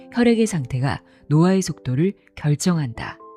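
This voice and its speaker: Over music in the background, a woman talks at a fairly slow pace in a fairly low pitch, her voice making very wide pitch swings. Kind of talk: audiobook reading of a health book.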